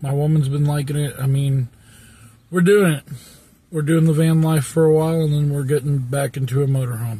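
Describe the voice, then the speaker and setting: A man with a dark, mellow tone sounds somewhat breathy, his intonation fairly even and the sound dry with no echo. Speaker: van life vlogger. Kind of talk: casual vlog chat. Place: car. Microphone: phone near.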